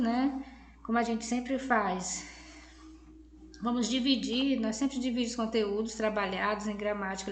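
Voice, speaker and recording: A Brazilian woman teaching a video class, her voice a little high and her manner patient and friendly. She keeps checking that her students follow along. The room around her rings with echo. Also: a bit bright. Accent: Brazilian Portuguese. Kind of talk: recorded video lesson.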